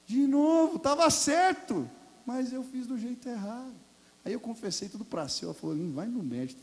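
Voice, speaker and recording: A Brazilian man preaching a sermon in a church, telling personal stories with sudden loud bursts. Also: high-pitched, in a large hall. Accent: Brazilian Portuguese. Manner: animated, confessional, storytelling with sudden loud peaks. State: hoarse from throat infection. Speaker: pastor. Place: church sanctuary.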